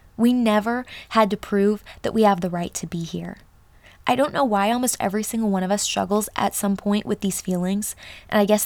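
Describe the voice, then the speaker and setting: In a very clean recording with a silent background, a woman speaks in an ordinary speaking voice at a medium pitch, with ordinary pitch variation and a moderate pace. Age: 20s. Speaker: podcast host, writer and creator. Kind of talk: solo podcast monologue.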